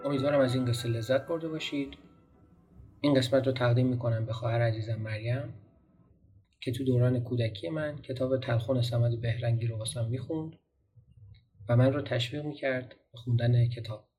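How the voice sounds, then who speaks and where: A man reading a folk tale aloud for a podcast, in a gentle storytelling way that turns to ask the listeners questions. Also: mid-range voice, fairly even intonation, husky, soft background music. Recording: dull, slightly noisy recording.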